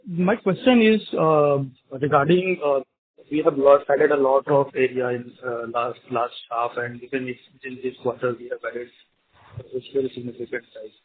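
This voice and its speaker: A man with an Indian accent asking questions as an analyst on a conference call, in halting, broken phrases. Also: medium pitch, slightly rough. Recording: muffled tinny phone connection.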